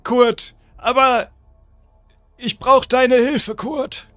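A hoarse, decaying zombie uncle, put on by a man running a tabletop game, pleads and coaxes in a high voice, stumbling over his words. The sound is dry and close, with no room around it. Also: fairly even intonation, sharp tone, no room sound, soft background music, exaggerated voice. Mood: coaxing. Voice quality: hoarse, strained voice. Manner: pleading, repeats the name, halting restarts. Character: undead zombie uncle, decayed, coaxing and weary.

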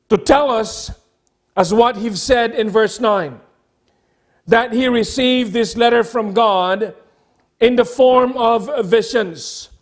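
A middle-aged man preaching a sermon as a pastor, speaking deliberately in short, emphatic phrases with repetition. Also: extremely high pitch. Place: church sanctuary, at a pulpit.

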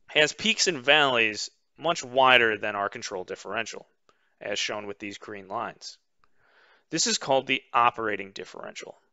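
A man teaching a webinar lesson over slides, explaining in a measured way with frequent "um" fillers. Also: medium pitch, sharp tone, clear, resonant tone, dry recording, lo-fi sound. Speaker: instructor.

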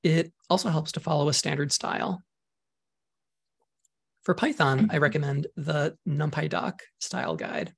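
Husky-voiced man presenting a webinar. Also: a little high, expressive. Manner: measured, with frequent ums. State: losing his voice, clearing throat. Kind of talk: slide lecture on programming.

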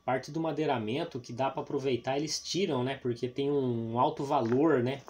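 A man's voice: medium pitch, fairly even intonation, moderate pace, darkish tone. A man from in Brazil, chattily narrating a casual exploration vlog to his viewers on a handheld camera. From Paraná, Brazil. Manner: chatty, addresses viewers, frequent tag questions. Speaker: vlog host. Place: abandoned roofless house and overgrown grounds. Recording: noisy handheld outdoor camera recording.

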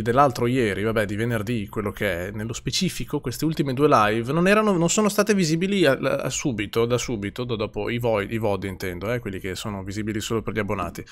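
A man's voice: mid-range voice, lively intonation, fairly quick, hardly any pauses. Young guy streaming, chatty and swears a lot, voice bouncing up and down as he reads chat names. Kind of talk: casual live-stream chat.

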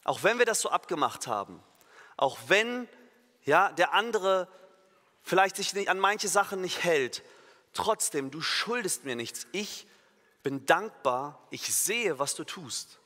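A pastor giving a sermon, emphatic and lively, acting out imagined inner voices and now and then correcting himself mid-sentence. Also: male voice, high voice, measured pace. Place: church hall. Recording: long reverb of a church hall.

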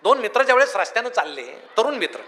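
A man's voice: very high voice, big pitch swings, very fast, bright, forceful tone. A man giving a humorous motivational speech, telling folksy anecdotes in a joking storyteller's manner, in an echoey hall. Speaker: public speaker.

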